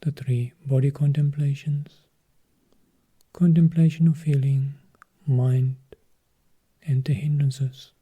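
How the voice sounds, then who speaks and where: A man, a Buddhist monk, guiding a meditation in a calm, measured way, with long pauses and a soft, often half-whispered voice. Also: mid-range voice, slightly rough. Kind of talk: guided meditation instruction.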